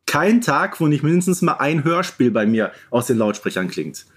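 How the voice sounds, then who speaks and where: A man co-hosting a podcast in a casual, measured, explanatory way. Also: fairly high pitch, very animated, a bit bright. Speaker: podcast co-host.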